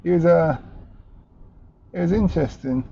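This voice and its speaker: This is a middle-aged man with a fairly high voice. He hosts casually, thinking aloud and stopping mid-question. It is recorded in a car, with a dull sound and clear road noise. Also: normal speed, dark tone. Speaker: podcast host, taxi driver interviewing rider. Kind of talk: casual interview chat. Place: inside a moving taxi.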